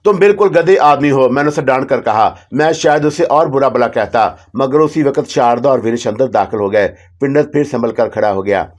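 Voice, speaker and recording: A man reading a first-person horror story aloud in a steady, dramatic manner. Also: medium pitch, normal speed, few pauses.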